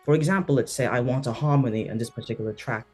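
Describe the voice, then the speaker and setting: A man's voice: mid-range voice, quick pace, a little mellow, breathy edge, soft background music. A man from the Philippines with a British English accent, a guest answering interview questions over a video call in an earnest, reflective way. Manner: earnest, reflective, sprinkles in "right?" and "you know". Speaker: guest, singer-songwriter.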